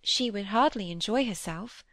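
A woman's voice: mid-range voice, moderate pace, a bit bright, no echo, close to an everyday voice. A woman reading aloud and voicing a timid, earnest young woman who speaks hesitantly and anxiously. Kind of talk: audiobook character voice.

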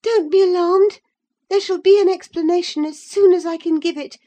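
A woman's voice: extremely high pitch, steady tone, normal speed, dark tone, pitched above the performer's own voice. A woman voicing a distraught, spiteful young woman who talks in agitated, breathless outbursts.

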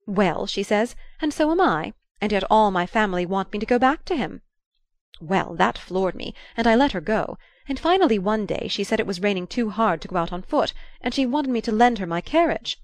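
A woman voicing a shrewd, commanding old grandmother who talks in a lively, imperious way. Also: medium pitch, moderate pace, no echo, close to an everyday voice. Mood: gossipy.

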